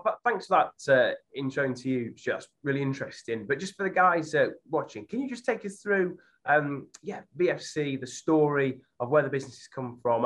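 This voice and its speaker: A man hosting a podcast interview in a chatty, upbeat way. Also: mid-range voice. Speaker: podcast host.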